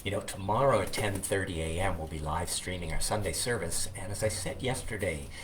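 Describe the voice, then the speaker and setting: A man with a low-pitched voice talks in the reflective, unhurried-sounding manner of a minister sharing poetry. He pauses and hesitates as he goes. The mic is some distance away, with clear noise behind him. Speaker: Unitarian Universalist minister. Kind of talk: informal video talk with poetry reading.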